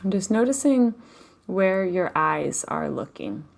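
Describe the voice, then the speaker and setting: A woman leading a live guided meditation, speaking softly and slowly with long pauses and audible sighs. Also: medium pitch, expressive, vocal fry. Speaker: meditation teacher. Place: home, live online session.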